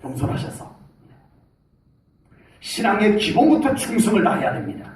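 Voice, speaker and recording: High-pitched, animated Korean pastor preaching. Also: male voice, normal speed, slight background noise. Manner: animated, shouts military salutes, acts out soldiers. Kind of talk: sermon. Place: church sanctuary. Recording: echoey hall, mic from a distance.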